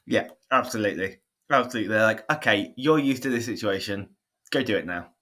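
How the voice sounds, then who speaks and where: Low, bright-voiced man chatting as a guest. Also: fairly quick. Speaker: podcast guest, zoo educator. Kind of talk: casual podcast chat.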